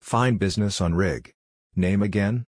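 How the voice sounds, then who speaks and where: A man reading amateur radio contact phrases in a measured, clipped way for Morse code practice. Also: fairly low pitch, very noisy.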